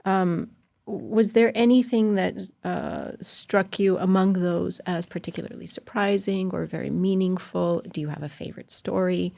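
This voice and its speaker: A woman's voice: fairly low pitch, lively intonation, moderate pace, vocal fry, dark tone. A woman interviewing in a conversational, thoughtful way, feeling out her questions as she goes. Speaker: interviewer, university provost.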